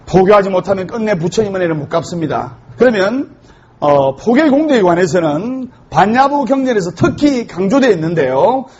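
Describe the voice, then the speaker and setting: High-voiced joking Buddhist monk. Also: male voice, fairly quick, slightly rough. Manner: joke-telling, animated storytelling. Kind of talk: humorous sermon. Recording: dull lo-fi recording.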